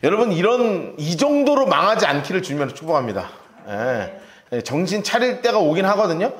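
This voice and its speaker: A middle-aged male pastor teaching a Bible-study sermon in a church. His pitch sits a little high and swings widely, and he acts out the cries as he tells the story. Now and then he stops to tell his listeners which verses to mark. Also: fairly quick. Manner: animated storytelling with shouted acted-out cries. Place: church sanctuary.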